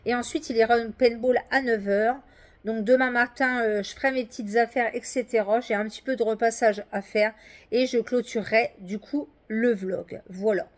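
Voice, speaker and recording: A woman's voice: a little high, fairly even intonation, moderate pace. A middle-aged woman chatting casually in a home vlog, rambling with many hesitations. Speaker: vlogger. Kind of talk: casual daily vlog chat. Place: at home indoors.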